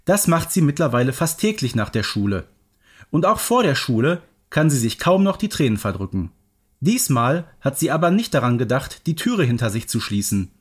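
A man's voice: mid-range voice, sing-song, moderate pace, slightly rough. A man reading a scripted children's story as narrator.

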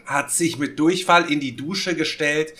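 Ein Mann mit heller, etwas hoher Stimme plaudert in einer Podcastrunde. Seine Art ist derb, aufgekratzt und voller Kraftausdrücke. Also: male voice, fairly high pitch, unhurried. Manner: crude, excitable storytelling, slips into loud impressions. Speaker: podcast co-host. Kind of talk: casual storytelling chat.

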